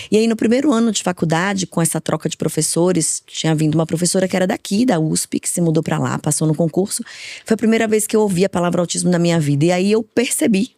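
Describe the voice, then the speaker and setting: A woman in her forties, a speech therapist raised in Bahia, telling lively stories as a podcast guest. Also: fairly low pitch, dry recording, studio quality. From Brazil, from Minas Gerais, raised in Bahia. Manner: fast, lively storytelling. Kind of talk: podcast interview.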